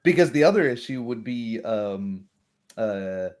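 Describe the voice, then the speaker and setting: A man's voice: medium pitch, lively intonation, a little slow, a little mellow. Man explaining tabletop game rules casually. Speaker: game master.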